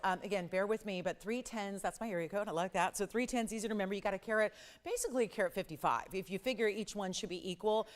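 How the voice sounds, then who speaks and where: A woman hosting a live jewelry shopping show, sniffly and a little scratchy with a cold, chatting upbeat through prices and pieces. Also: mid-range voice. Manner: chatty, upbeat selling with frequent repetition and price countdowns. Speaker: shopping channel host. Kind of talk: live jewelry sales pitch.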